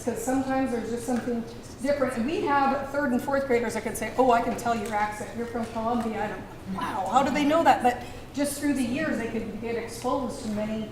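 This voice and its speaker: A woman leading a tour of an elementary school, talking in a chatty, upbeat way. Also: on the high side. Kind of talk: casual tour talk. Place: school hallways and classrooms. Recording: echoey school rooms from a distance with noise.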